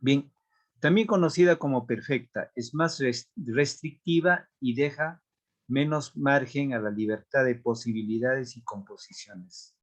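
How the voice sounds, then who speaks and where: A man teaching a literature class, explaining rhyme and verse step by step in a measured way and often pausing to check in with his students. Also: medium pitch. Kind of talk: online literature lesson.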